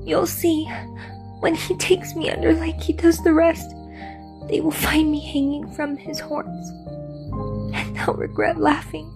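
A man's voice: very high-pitched, monotone, measured pace, gravelly, long pauses, over music, pitched above the performer's own voice, heavily acted. A man voicing a lonely, sad young girl who speaks weakly and through tears, in a storybook narration. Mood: sad, whimpering. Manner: soft, weak and tearful.

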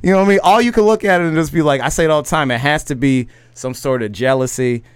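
Loud, emphatic young man talking. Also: on the high side, fast, smooth, no echo. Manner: loud-voiced and emphatic, keeps asking "you know what I mean". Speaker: podcast host. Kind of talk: casual conversation.

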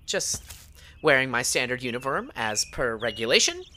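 A woman's voice: rumbling low, very animated, moderate pace, sharp tone, a little hiss or hum, heavily acted. A woman playing a prim, earnest and awkward teenage Boy Scout in a tabletop audio drama, formal and stammering. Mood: polite, shy.

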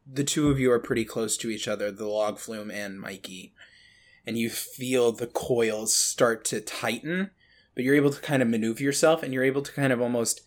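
A man running a tabletop horror game as game master, setting scenes with slow, deliberate, drawn-out narration. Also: mid-range voice.

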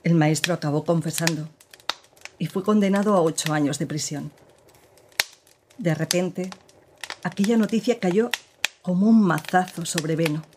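An actress playing a woman who gravely recounts her partner's past in an audio drama, with measured, serious storytelling. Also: lowish voice, background noise, close to an everyday voice.

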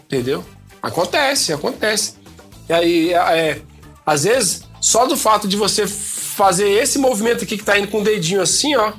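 A man's voice: sits high, animated, normal speed, a bit bright, slightly rough, faint music behind. A man, a guest sound technician and DJ, telling a story in casual talk and repeating phrases for effect.

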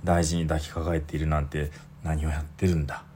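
A Buddhist priest giving a dharma talk, explaining patiently with frequent soft fillers as he goes. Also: very deep voice, flat delivery, brisk, slight background noise.

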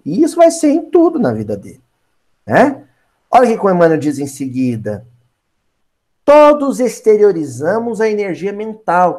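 A man leads a spiritist Bible study in a loose, conversational style. His speech moves through a wide, lively range of pitch, and he keeps turning to his listeners to make a point. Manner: animated, talks directly to listeners, acts out quotes. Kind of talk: conversational lecture.

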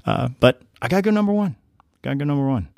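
A man's voice: a little high, animated, fast talker, gravelly, a little mellow, no room sound, studio quality. A man on a trivia podcast panel, chatting casually in a rambling, self-deprecating way. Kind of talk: casual chat.

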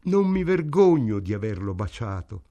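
A man's voice: on the low side, sing-song, moderate pace, warm tone, muffled recording. A man reading an audiobook, voicing a frightened young woman who pleads in a hurt tone. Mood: hurt protest.

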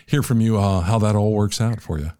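Tiefer, weicher Moderator. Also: male voice, lowish voice, a little fast, dark tone, clear, resonant tone, no room sound, clean studio sound. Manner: easygoing, with many "uh" fillers. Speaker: radio show host. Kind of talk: interview hosting.

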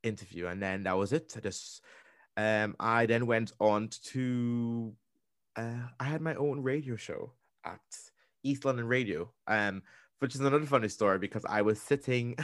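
Host, man, 30s, Trinidadian accent, quick rambling storyteller, dry close sound. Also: medium pitch, a bit bright, no room sound. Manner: fast, rambling, with many restarts. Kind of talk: casual storytelling chat.

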